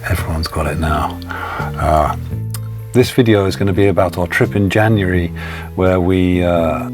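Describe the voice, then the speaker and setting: A hoarse man narrating his building vlog in a relaxed, halting way with lots of "uh". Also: sits low. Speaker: vlogger. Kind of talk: casual narration. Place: home studio. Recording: voice-over with music bed. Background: music.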